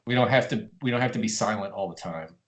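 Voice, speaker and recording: A man's voice: fairly low pitch, fast, fairly bright tone, natural voice. A man playing a stammering, flustered monk. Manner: stammering, earnest, keeps correcting himself. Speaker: improv performer.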